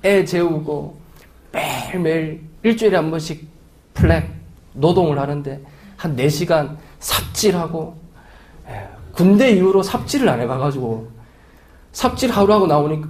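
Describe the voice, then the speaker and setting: A man in his forties, a missionary pastor, preaching a sermon with lively, anecdotal storytelling and acted-out voices. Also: on the high side, normal speed. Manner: animated storytelling, acting out quoted voices.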